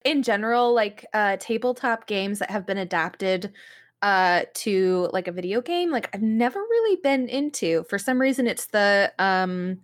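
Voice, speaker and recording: Female podcast co-host, mid-range voice, relaxed informal phrasing, casual discussion among gamers. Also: medium pitch, unhurried. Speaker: podcast co-host and games writer.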